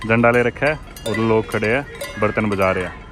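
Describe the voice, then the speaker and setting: Walking by a road in a small town, a young Indian travel vlogger casually explains the sights around him. He speaks at a moderate pace in a voice on the low side.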